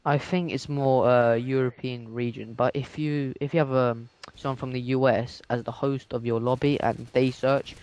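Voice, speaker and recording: Flat, hesitant teenage guy commenting on gameplay. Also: mid-range voice, normal speed, hardly any pauses, clear, resonant tone, lo-fi sound. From England, moved from Dubai aged two. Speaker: guest gaming commentator. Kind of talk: casual game commentary.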